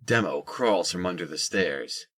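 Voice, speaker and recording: A man's voice: low voice, lively intonation, a little slow, a bit bright, slightly rough, dry recording, studio quality. A man reading scripted third-person narration for an audio drama.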